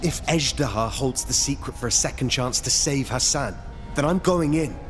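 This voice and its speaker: An actor playing a resolute, earnest young warrior on a rescue mission in a video game. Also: male voice, medium pitch, moderate pace, lightly acted. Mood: determined. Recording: long reverb, music behind. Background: game music.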